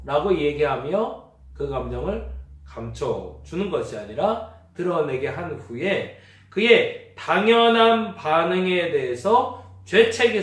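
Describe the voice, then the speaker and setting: A male pastor preaching a conversational sermon, acting out everyday remarks as he goes. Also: on the high side. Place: church sanctuary. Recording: echoey church hall, mic at a distance.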